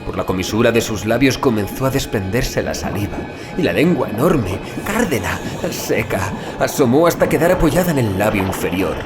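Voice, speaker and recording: Male horror audiobook narrator, lively intonation over music. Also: medium pitch, moderate pace. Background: background music.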